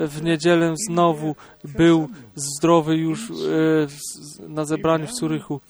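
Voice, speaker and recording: A man talks at a very slow pace with fairly even intonation amid noticeable background noise. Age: 70s. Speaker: preacher. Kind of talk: sermon.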